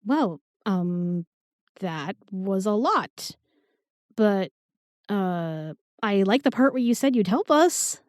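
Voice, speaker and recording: A woman's voice: medium pitch, takes it slowly, no room sound, clean studio sound. A woman playing an irreverent, plucky modern young woman with a casual manner in a fantasy audio drama. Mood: amused, eager. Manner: casual, flippant, excitable.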